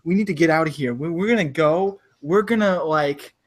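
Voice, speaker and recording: A woman's voice: sits low, normal speed. A man reading the lines of an anxious young woman on the run, who rambles and repeats herself, in his own voice. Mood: urgent.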